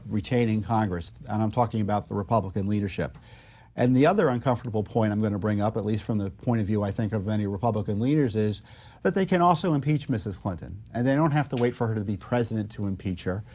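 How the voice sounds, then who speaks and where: Making pointed arguments without a script, this male political commentator has an American accent and a lowish, slightly mellow voice. His delivery is measured and halting.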